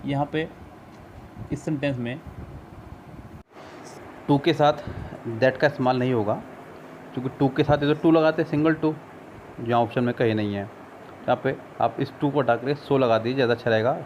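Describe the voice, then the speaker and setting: A man with an Indian accent, a Hindi speaker, tutoring for an English exam over a screen recording, patiently explaining and reading English sentences slowly. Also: medium pitch, a little mellow, lo-fi sound, slight background noise. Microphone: screen recorder mic.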